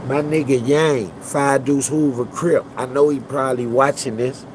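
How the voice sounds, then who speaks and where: A man's voice: mid-range voice, fairly even intonation, normal speed, noisy background. A man hosting a livestream, talking bluntly and with lots of profanity in casual commentary. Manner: blunt, profane, emphatic street talk. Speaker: livestream host.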